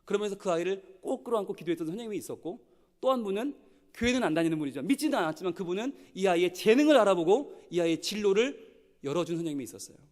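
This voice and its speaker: A male pastor preaching a sermon in a church, telling a story with animated delivery and acted-out quotes. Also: sits high, very fast. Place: church sanctuary. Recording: long church hall reverb.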